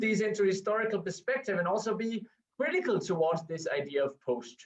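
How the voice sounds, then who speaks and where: Speaking with a Danish accent, a man uses a high pitch and lively intonation at a moderate pace. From Denmark. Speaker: researcher. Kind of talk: lecture. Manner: hesitant, many fillers.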